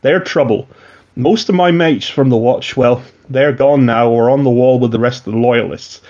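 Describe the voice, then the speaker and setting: A man voicing a male town-watch veteran with a West Country accent, talking in a low, conspiratorial, folksy way, on a dull lo-fi recording. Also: normal speed, darkish tone, lightly acted. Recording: dull lo-fi sound.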